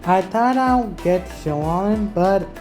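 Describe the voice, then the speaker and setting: A woman giving casual gameplay commentary in a halting way, trailing off mid-sentence. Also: medium pitch, expressive, darkish tone. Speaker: gaming video maker. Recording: faint game music behind.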